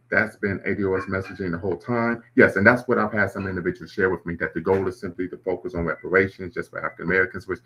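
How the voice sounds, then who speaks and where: Deep husky man hosting a stream. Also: bright, forceful tone, rough recording. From Ohio, US. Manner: reacting to clips and chat, conversational. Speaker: host. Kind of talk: live-stream commentary.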